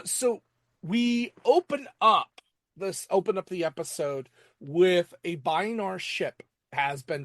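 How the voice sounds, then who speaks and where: Higher-voiced man, halting podcast host. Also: no echo. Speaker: podcast host reviewing TV episodes. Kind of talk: casual episode recap and commentary.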